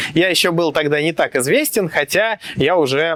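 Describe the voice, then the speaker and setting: Noticeable background noise surrounds a man who talks fairly slowly at a fairly high pitch. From Russia. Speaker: motorcycle mechanic and video blogger. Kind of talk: personal storytelling monologue. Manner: casual, with hesitations.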